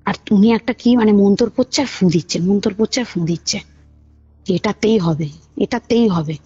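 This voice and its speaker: A woman tells a story casually over the phone, slipping into the dialogue she quotes. Her voice is husky and sits at a medium pitch. The call recording sounds muffled, with music playing faintly underneath. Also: moderate pace, dark tone. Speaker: caller telling a personal ghost experience. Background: background music.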